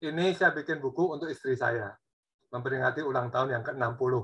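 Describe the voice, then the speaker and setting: The man's voice has a bright, sharp tone. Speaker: photographer. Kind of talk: talk with slides. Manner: casual, animated.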